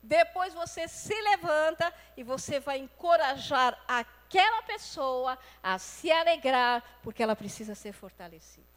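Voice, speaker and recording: A woman preaching a lively sermon. She acts out quoted voices and swings between loud and soft. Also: high voice, unhurried, hardly any pauses, big-room sound.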